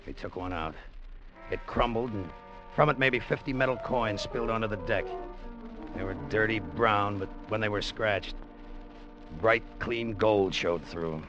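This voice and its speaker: An eager treasure hunter, acted by a man, narrates in a lowish voice, excitable when things go his way. Music plays under the old radio broadcast. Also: unhurried, muffled recording, lightly acted. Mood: narrating. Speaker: narrator and salvage partner. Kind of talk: 1950s radio drama narration.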